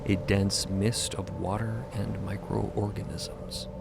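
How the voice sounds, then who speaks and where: A man with a creaky voice narrating a scripted story. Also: lowish voice, little pitch movement, takes it slowly, background noise.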